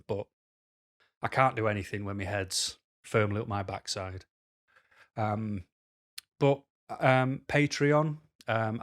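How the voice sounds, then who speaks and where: A man speaks to camera in a casual, rambling way, his voice sitting a little low and slightly hoarse. He is frank and unpolished, pausing often with ums as he talks. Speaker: vlogger. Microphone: camera mic.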